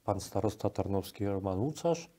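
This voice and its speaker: Mellow-voiced man hosting an interview. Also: on the low side, lively intonation, moderate pace. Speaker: interviewer, program host. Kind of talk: broadcast interview. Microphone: lapel microphone.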